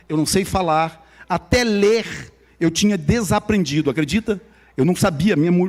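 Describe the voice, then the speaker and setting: His voice sits high with a darkish tone as this São Luís native, a guest at church, recounts his testimony to the congregation. He uses the Maranhão accent of Brazilian Portuguese and speaks to listeners directly, in a storytelling, conversational style.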